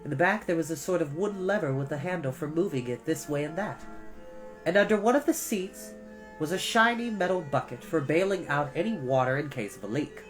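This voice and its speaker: A low-pitched woman reads a storybook aloud as host of a storytime. Her delivery is expressive, leaning carefully on key words. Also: a little fast, faint music behind.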